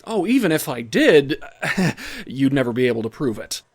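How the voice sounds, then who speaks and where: A man's voice: medium pitch, very animated, moderate pace, breathy edge. A man playing a smug, taunting loan shark in an audio drama, with oily, condescending politeness and coy mock formality. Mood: mock concern, gloating.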